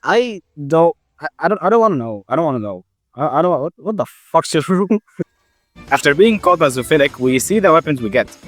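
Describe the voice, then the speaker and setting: A young man who stutters often, narrating and reacting loudly to a game he is playing, casual and swearing. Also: a little high, very animated, fairly quick, no room sound, faint music behind. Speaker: gaming YouTuber. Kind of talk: game commentary with voice-over narration.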